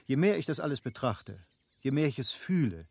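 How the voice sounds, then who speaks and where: An actor playing an eager, well-born middle-aged husband in a German radio drama, speaking formally and articulately with earnest idealism. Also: male voice, mid-range voice, sing-song, brisk, vocal fry, a little mellow, slightly rough, heavily acted. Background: birdsong, faint nature ambience.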